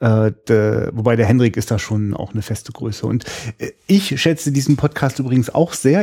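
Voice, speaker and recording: Medium in pitch, this man's voice has a dark, mellow tone and is somewhat breathy. He speaks at a fairly quick pace. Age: 20s. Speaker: film podcast co-host. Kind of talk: casual chat. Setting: video call.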